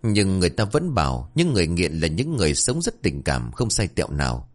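Expressive low-voiced male horror narrator. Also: brisk. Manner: expressive, swinging between tense and hushed. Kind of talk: dramatic horror story narration.

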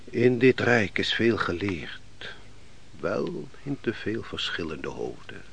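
A man's voice: on the low side, big pitch swings, slow pace, vocal fry, fairly bright tone, breathy edge, exaggerated voice. An actor playing a brooding, defeated nobleman of an ancient kingdom in a radio play, speaking solemnly and with theatrical deliberation. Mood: bitter, grand. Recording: noisy old radio play recording.

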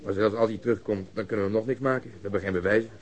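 An actor playing a blunt, sceptical police detective in a radio crime drama, speaking curtly. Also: male voice, lowish voice, steady tone, racing, lightly acted. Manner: blunt, curt. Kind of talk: Dutch radio drama dialogue. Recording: dull, lo-fi archived radio recording.

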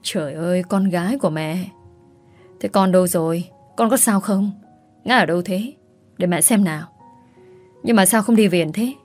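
A woman's voice: fairly low pitch, moderate pace, long pauses, darkish tone, faint music behind, close to an everyday voice. A woman voicing a scheming, bossy middle-aged mother in a spoken story. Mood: fussing. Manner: fussing, wailing, bossy. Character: scheming wealthy middle-aged mother pushing her daughter.

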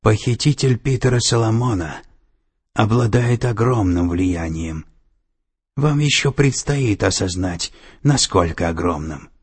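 A man's voice: fairly low pitch, slightly rough, pitched above the performer's own voice. A man voicing a cold, domineering female security director, with an icy, commanding and menacing manner. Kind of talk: audiobook character voice.

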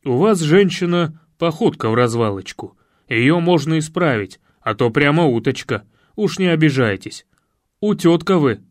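A man voicing a gruff, hoarse middle-aged male wrestling coach who talks low and clipped. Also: expressive, moderate pace, dry recording, studio quality, close to an everyday voice. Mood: teasing. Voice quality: husky.

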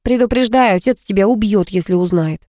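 Woman voicing grumbling young brother, exasperated, mellow, dry recording. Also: medium pitch, a little fast, no room sound, natural voice. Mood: warning. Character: young man, grumbling teasing older brother.

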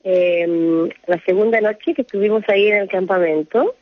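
A woman's voice: mid-range voice, normal speed, dry recording. Chatty Chilean woman calling in. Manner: chatty, laughs often, rambling story. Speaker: caller. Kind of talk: phone-in storytelling. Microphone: phone call. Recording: muffled phone line with faint music.

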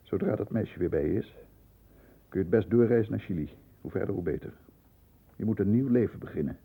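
Deep, husky, stern barrister with gravelly edge. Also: male voice, expressive, brisk, no echo, phone-quality sound. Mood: urgent, commanding. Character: stern, controlled barrister shielding his wayward brother, narrating events. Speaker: actor playing narrator and lead. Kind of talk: 1960s Dutch radio thriller acting, first-person narration.

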